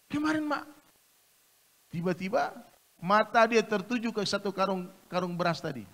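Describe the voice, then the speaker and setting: Man, preacher, storytelling sermon, gravelly bright voice, large echoey hall. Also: high-pitched, fairly quick. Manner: dramatic, swinging between loud bursts and hushed asides. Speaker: Islamic preacher.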